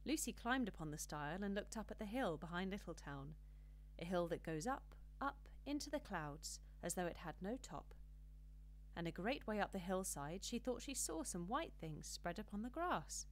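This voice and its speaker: A woman reading a children's storybook as an audiobook narrator, with an expressive, measured storytelling delivery. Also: mid-range voice, a little hiss or hum.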